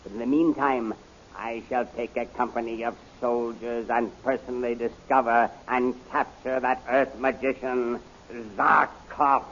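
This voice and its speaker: An actor playing a scheming, smooth-talking henchman to a queen in a 1930s radio serial, formal and measured. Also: mid-range voice, fairly even intonation, fairly bright tone. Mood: confident, scheming. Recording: muffled, hissy 1930s radio recording.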